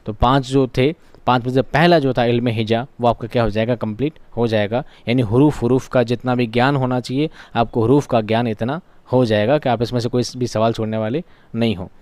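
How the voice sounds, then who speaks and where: A teacher quizzing himself aloud. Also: male voice, medium pitch, darkish tone, no room sound. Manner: asks questions and answers them himself, repeats key terms. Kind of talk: classroom-style grammar lesson.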